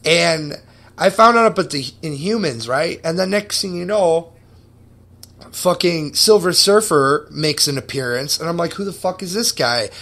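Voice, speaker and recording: A young man hosting a podcast, casually telling a story with excited, profane enthusiasm. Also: a little high, normal speed. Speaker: podcast host.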